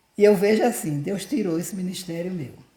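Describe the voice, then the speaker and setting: Medium pitch from a woman, ordinary variation in her pitch, and audible room echo. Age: old. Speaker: church women's teacher. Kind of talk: sermon. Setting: women's church retreat. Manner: slow; halting, repeats words.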